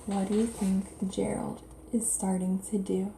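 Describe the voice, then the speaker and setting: A woman teacher reading a children's story aloud expressively and pausing to explain and ask questions in simple, child-directed language. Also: mid-range voice, flat delivery, vocal fry, dark tone, a little hiss or hum. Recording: roomy, echoey indoor sound.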